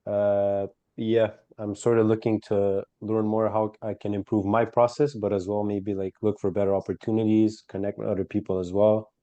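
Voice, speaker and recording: A man's voice: fairly low pitch, flat delivery, normal speed, hardly any pauses, mellow, dry recording, muffled recording. A man from Bulgaria taking part in a coaching call over video, answering in a brief, matter-of-fact way.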